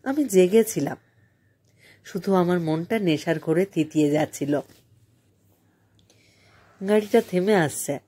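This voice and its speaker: A woman reading a literary story aloud in measured, reflective first-person narration. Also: on the low side, lively intonation, dark tone, breathy edge. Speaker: audiobook narrator.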